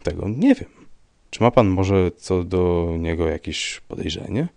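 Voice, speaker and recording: Man doing a gruff, curt police commissioner. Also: low voice, expressive, unhurried, darkish tone, no echo, heavily acted. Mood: dry. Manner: dry, curt, dismissive. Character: gruff, unbothered middle-aged police commissioner.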